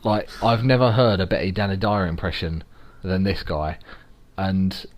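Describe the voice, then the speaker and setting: Rambling London man, low voice. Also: fairly even intonation, moderate pace. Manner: rambling, loose and jokey, lots of fillers. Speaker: podcast co-host. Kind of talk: casual chat.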